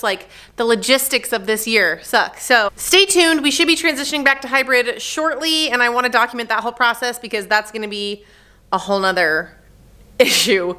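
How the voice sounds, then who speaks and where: Bright, chatty woman teacher vlogging. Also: on the high side. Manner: chatty, upbeat, frank. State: tired, pregnant. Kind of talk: casual vlog chat. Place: classroom.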